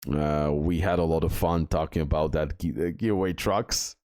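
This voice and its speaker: A man's voice: rumbling low, fairly even intonation, moderate pace, darkish tone, no echo, clean studio sound. A man giving casual commentary on game news and talking through images on screen, with frequent filler sounds. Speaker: gaming video creator.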